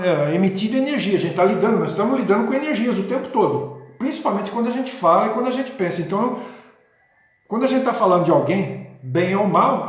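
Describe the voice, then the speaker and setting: A man talking in a rambling, casual way with many restarts and checking questions, as host of his own video. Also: high voice. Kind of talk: casual spoken talk on spirituality. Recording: very echoey room.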